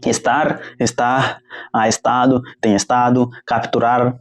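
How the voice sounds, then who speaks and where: A man from Brazil teaches vocabulary in a relaxed, chatty way. He says every word again and again, with frequent restarts and fillers. Faint guitar music plays softly underneath. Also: medium pitch, unhurried. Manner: repeats each word several times, restarts often. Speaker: language teacher. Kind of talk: casual spoken language lesson.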